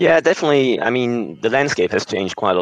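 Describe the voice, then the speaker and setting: A man with a French accent speaks with very wide pitch swings. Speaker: venture capital investor. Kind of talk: panel discussion. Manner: halting.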